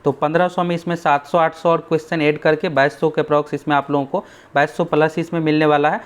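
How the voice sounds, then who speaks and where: A young man with a slightly high voice briefs exam candidates as their coaching teacher. He talks straight to the students, keeps telling them to look at each point, and pushes his course. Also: little pitch movement, quick pace, clear, resonant tone. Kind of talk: explainer video on exam updates.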